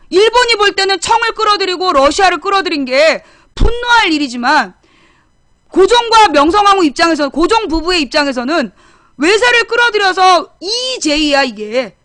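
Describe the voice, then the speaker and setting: A woman's voice: very high voice, sharp tone, no room sound, studio quality. A middle-aged woman hosting a current affairs talk show, explaining history casually and bluntly, firing off rhetorical questions.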